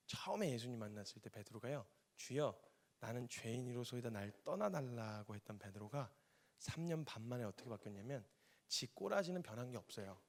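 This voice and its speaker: Man, missionary preacher; quick-paced, lively sermon storytelling with acted-out dialogue. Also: mid-range voice. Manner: lively storytelling, acting out dialogue in casual speech. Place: church.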